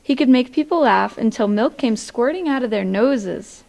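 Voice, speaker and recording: A woman's voice: fairly high pitch, expressive, normal speed, gravelly, darkish tone. A young woman reading a story aloud to children in a library. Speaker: volunteer storybook reader. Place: public library, indoors.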